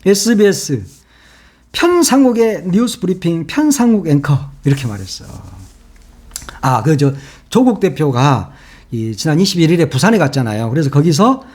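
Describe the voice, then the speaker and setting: A man's voice: on the high side, sing-song, normal speed, a little mellow. A man hosting his own political commentary channel, talking casually in a mocking, sarcastic way and laughing at his own jokes.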